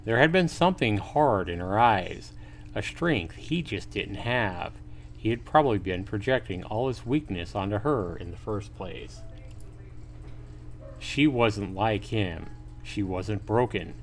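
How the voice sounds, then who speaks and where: A man's voice: on the low side, animated, unhurried, slight background noise. A man hosting a livestream, reading a visual novel aloud as a narrator with casual asides. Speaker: livestream host. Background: faint music.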